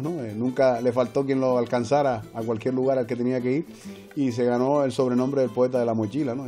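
A man's voice: medium pitch, dark tone. A man in his forties with a Canarian Spanish accent, chatting as a guest over a video call from home. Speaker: guest folk poet. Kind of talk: conversational interview by video link. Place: home room with books and drum. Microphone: earphone mic on video call.

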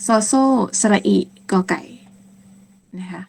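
A woman teaching a lesson on German numbers, speaking slowly and patiently and repeating each word several times. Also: darkish tone, a little hiss or hum. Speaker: language teacher.

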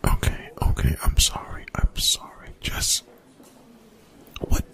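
A man playing a young college bully in an ASMR roleplay, gruff, defensive and grudgingly apologetic, in hushed, breathy, exasperated slang with swearing. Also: takes it slowly. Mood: pleading, flustered. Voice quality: whispered, breathy, gravelly low voice.

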